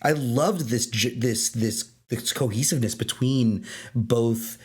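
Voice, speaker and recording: A man's voice: medium pitch, takes it slowly, a little mellow, breathy edge. A man hosting a podcast roundtable, who eagerly quotes favorite lines and laughs along with the guests. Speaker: podcast host interviewing the creators. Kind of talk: casual roundtable chat.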